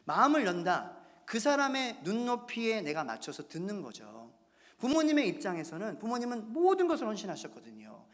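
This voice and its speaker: A man's voice: sits high, a little fast. A man in his thirties, a pastor, preaching a Sunday sermon and acting out little quotes. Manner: animated preaching with acted-out quotes. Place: church sanctuary. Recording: long church hall reverb.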